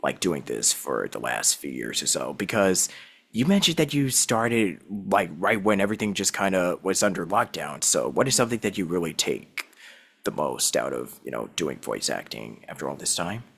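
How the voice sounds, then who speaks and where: A man's voice: deep voice, big pitch swings, moderate pace, creaky, a bit bright, slightly rough. A man from Southern California hosting a casual voice-acting interview, rambling with lots of fillers and laughing easily. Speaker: podcast host.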